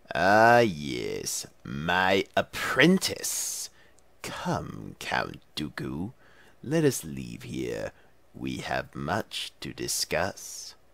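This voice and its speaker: Using a put-on character voice, a man speaks at a very slow pace with a very deep, low pitch, very wide pitch swings and big swings in loudness. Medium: audio drama. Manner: cold, measured, authoritative.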